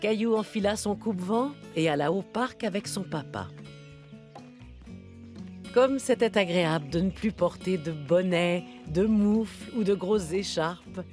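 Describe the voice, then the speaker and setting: A woman playing a gentle storyteller, narrating a children's cartoon in a tender, expressive way. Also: mid-range voice, a little slow, soft background music, natural voice. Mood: gentle storytelling. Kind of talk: scripted narration for small children.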